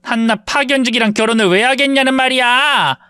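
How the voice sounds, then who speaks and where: A man's voice: very high-pitched, fairly quick, sharp tone, smooth, no room sound, studio quality, voice pushed up. A man doing a sneering female bully. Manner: mocking, condescending, scornful. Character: sneering spiteful woman classmate, bully.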